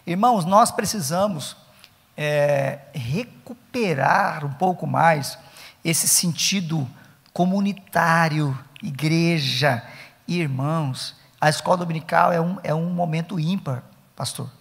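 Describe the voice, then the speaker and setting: A man's voice: on the high side, takes it slowly, creaky, slightly rough, big-room sound. A middle-aged man with a Brazilian Portuguese accent, lecturing Sunday school teachers at a church conference, emphatic and repeating his key points.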